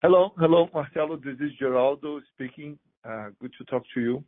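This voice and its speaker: A man answering as a company executive, unscripted and often correcting himself, heard over a thin phone line. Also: a little high. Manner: halting, self-correcting. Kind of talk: unscripted earnings call answers.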